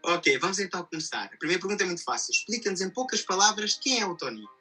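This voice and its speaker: A man with a European Portuguese accent hosts a conversational interview at a quick pace. His voice runs a little high and is husky, with a very bright edge. He explains things at length. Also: animated, soft background music. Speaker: interview host.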